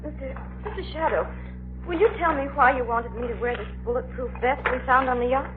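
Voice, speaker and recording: A woman's voice: sits high, a little fast, over music, lightly acted. An actress playing a frightened young woman in a 1930s radio drama, earnest and breathless, eager to help. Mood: tense. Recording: noisy, muffled 1930s radio recording.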